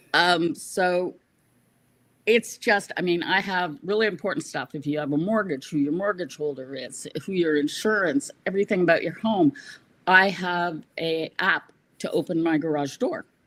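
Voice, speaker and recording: A woman's plain, everyday voice, fairly low in pitch, with a Canadian accent, moderate pace and ordinary pitch variation. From Canada, Ottawa. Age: 60s. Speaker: graphic designer and family caregiver. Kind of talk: interview.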